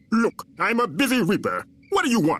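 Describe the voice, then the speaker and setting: A cartoonish character voice at a fairly high pitch and a moderate pace. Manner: dry, impatient, irritable.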